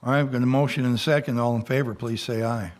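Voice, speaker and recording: A man's voice: medium pitch, steady tone, fast. Man chairing a formal county meeting. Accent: American. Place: local government meeting room.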